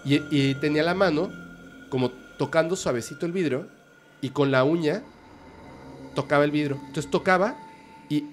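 A man, a podcast guest telling an eerie story in a lively, casual storytelling manner. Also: fairly high pitch, moderate pace, pauses often, soft background music. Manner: animated, vivid storyteller.

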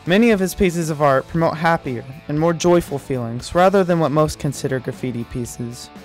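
A man narrating a short documentary from a script, in an even read-aloud manner. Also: on the high side, normal speed. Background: light music.

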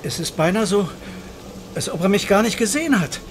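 An actor playing a wary, dry-witted police inspector in a radio horror drama, often talking to himself. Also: male voice, high voice, expressive, a little fast, slight background noise.

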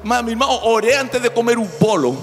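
A male pastor with a Brazilian Portuguese accent, preaching in Spanish as a second language, with shouted declarations and joking storytelling. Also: very high voice, a little fast, slight background noise. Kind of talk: charismatic preaching. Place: church hall. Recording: reverberant church hall with music.

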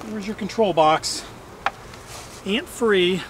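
Middle-aged guy vlogging outside, kinda high voice, talks chatty and repeats himself, faint bug noise around. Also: slow. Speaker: hobbyist beekeeper and channel host. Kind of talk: casual how-to vlog. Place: outdoors in a wooded backyard apiary. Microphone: camera on a tripod at a distance. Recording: faint outdoor noise, bees and insects.

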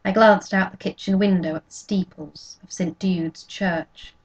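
A woman reading a novel aloud in first person, with measured, quietly expressive narration, in a dull lo-fi recording. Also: mid-range voice, slightly rough. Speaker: audiobook reader.

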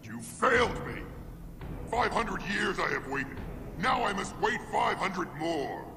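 An actor playing a menacing, imperious otherworld tyrant in a dramatic video game cutscene. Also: male voice, high-pitched, lively intonation, gravelly, big-room sound, noisy background, heavily acted. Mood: wrathful menace. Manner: slow, imperious, threatening. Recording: game audio with loud music.

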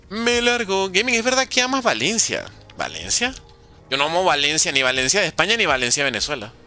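Young male streamer, bright lively voice fairly high, jokey chat-reading commentary, faint game music behind. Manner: joking, reads chat questions aloud and answers playfully. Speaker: gaming streamer.

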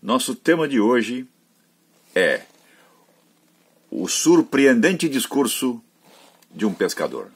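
Older pastor doing an expressive sermon from his study, husky voice, swoopy delivery. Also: medium pitch, slow pace, pauses often. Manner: expressive storytelling with hand gestures. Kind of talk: sermon to camera. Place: home study with bookshelves.

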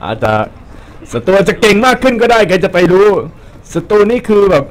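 A young man giving casual, joking commentary over his gameplay, excitable and swearing at enemies. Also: sits high, brisk. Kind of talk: casual Let's Play commentary.

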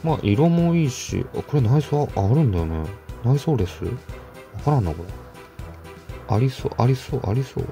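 A man's voice: mid-range voice, expressive, moderate pace, dark tone, soft background music. A man casually chatting to himself while opening toy cars, muttering asides and chuckling. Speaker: toy car collector vlogger. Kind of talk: casual unboxing chat.

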